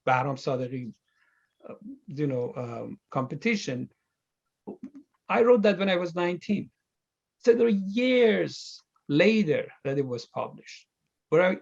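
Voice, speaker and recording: A middle-aged man with an Iranian accent, a native Farsi speaker, answering interview questions reflectively and haltingly as he searches for words. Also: fairly high pitch, creaky, husky, muffled recording. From Iran. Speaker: author being interviewed.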